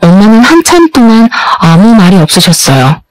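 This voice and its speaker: A woman's voice: mid-range voice, very animated, normal speed, a little mellow, no room sound, poor audio. A woman telling a first-person story in a plaintive storytelling manner. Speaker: narrator.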